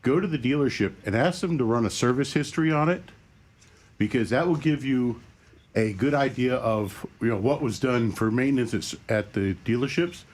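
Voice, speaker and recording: A man on a talk show giving plain, steady advice about car maintenance. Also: mid-range voice, normal speed. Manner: plain, steady, matter-of-fact. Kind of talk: practical advice.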